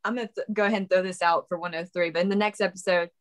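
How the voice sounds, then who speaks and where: A woman's voice: on the low side, steady tone, very fast, no echo, studio quality. A woman chatting informally and bluntly on a group call, swearing casually.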